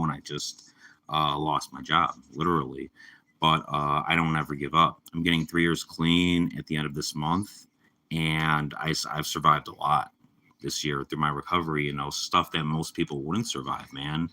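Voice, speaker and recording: A young man with a slightly raspy voice from a cold, chatting casually and rambling on a live stream. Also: rumbling low, level tone, normal speed, sharp tone. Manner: rambling, laid-back, lots of fillers. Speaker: livestreamer.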